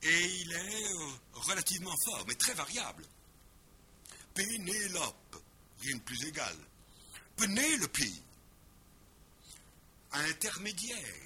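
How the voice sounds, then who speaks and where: A male lecturer with a lively voice that swings widely and sounds bright and forceful. He speaks emphatically and stumbles over repeated words as he builds his points. He also slips in words of another language with exaggerated pronunciation. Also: a little high, a little hiss or hum. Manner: emphatic, stammers repeated words while explaining.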